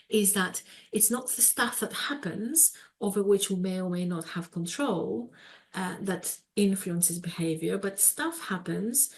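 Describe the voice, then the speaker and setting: A woman's voice: lowish voice, gravelly. A woman with a Greek accent, from Greece, presenting a webinar lecture on psychology, explaining with many fillers and repeated words over a video call microphone.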